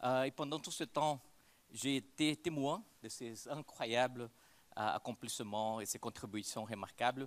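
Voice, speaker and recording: With a Brazilian accent, the speaker moves at a fairly slow pace with ordinary pitch variation. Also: man. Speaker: business school professor. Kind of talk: speaker introduction.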